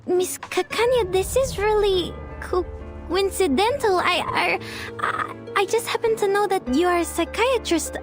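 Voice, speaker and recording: A woman's voice: very high-pitched, measured pace. An actress playing a timid, earnest young woman in a video game, hesitant, polite and innocent. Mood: flustered. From Romania. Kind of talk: video game story voice acting. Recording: music under the voice.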